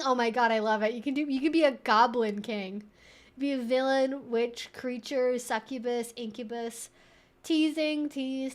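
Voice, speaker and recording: A woman hosting a casual live Q&A, thinking aloud in a rambling, amused way as she reads things out and reacts. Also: sits high. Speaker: livestream host and kink educator.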